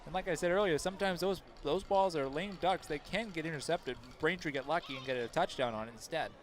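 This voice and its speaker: A man in a somewhat high register breaks down the plays in loose, chatty commentary, often stopping to restart a thought. A light layer of outdoor noise runs under his voice. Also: fast talker. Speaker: color commentator. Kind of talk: local football color commentary.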